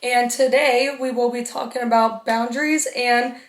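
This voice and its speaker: A young woman speaks heartfelt advice straight to her viewers, her voice worn and fading from overuse. She talks in a higher register and leans on repetition for emphasis. The sound carries the ring of an echoey room. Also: fairly even intonation, moderate pace, distant mic, a little hiss or hum. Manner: earnest, heartfelt, repeats for emphasis. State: losing her voice. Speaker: vlogger. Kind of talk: casual motivational talk to camera.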